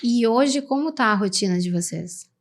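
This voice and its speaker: A Brazilian woman hosts a podcast interview. She is supportive and often backs her guest up with quick words of agreement. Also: a little high, lively intonation. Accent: Brazilian Portuguese. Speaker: podcast host.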